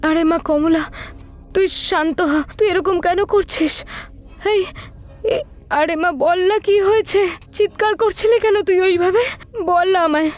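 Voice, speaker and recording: Woman acting a high, pleading anxious mother. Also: fairly even intonation, moderate pace, soft background music. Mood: panicked, pleading. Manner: pleading, fretful. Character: anxious, caring mother of the bride.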